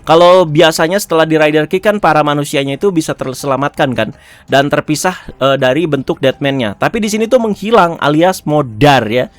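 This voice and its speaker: A man's voice: on the high side, brisk, no room sound. A man giving a casual, chatty review of a TV episode, often chuckling and tagging his phrases.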